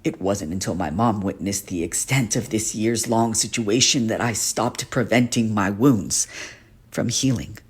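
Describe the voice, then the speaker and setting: Gentle, wounded guardian-mentor for character drama, male actor: lowish husky voice, earnest confessional delivery. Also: unhurried. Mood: pained, regretful. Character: gentle guardian teacher, male shapeshifter haunted by a painful past. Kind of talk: dramatic character monologue for a voice reel.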